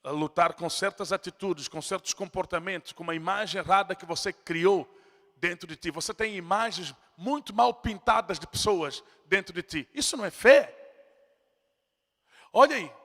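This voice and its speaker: A man's voice: high-pitched, normal speed, a bit bright. A male pastor preaching a sermon with emphasis and acting out the people in his stories, in a church hall. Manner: emphatic preaching, acts out quotes. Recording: long hall reverb.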